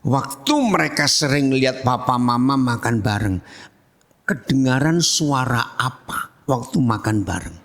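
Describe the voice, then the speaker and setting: A man preaching a sermon as pastor, lively and humorous, often asking his congregation questions. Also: medium pitch, unhurried, gravelly. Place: church hall. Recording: long church hall reverb.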